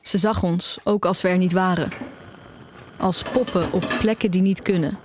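A woman's voice: fairly low pitch, fairly even intonation, normal speed, over music, natural voice. An actress playing a troubled young woman who narrates her own story reflectively in an audio drama. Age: young adult. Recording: clearly noisy background.

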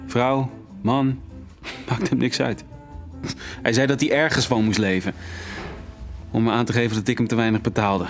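An actor plays a jaded male club boss in an audio drama. His voice sits at a middle pitch, and he is guarded, dismissive and patronisingly familiar. Music plays clearly behind him. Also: fairly even intonation, normal speed, pauses often, natural voice. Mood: bitter, knowing.

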